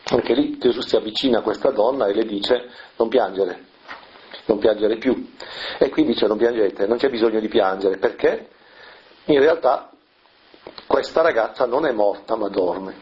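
Man preaching a slow Bible commentary. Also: fairly low pitch. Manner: unhurried, explanatory, with frequent filler "eh" and rhetorical questions. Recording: dull lo-fi recording.

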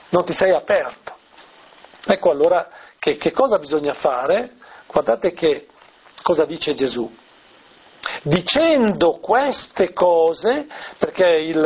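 Husky high-voiced man teaching scripture. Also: darkish tone. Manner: explanatory, rhetorical questions with tag "eh?". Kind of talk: bible teaching talk. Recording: dull lo-fi recording.

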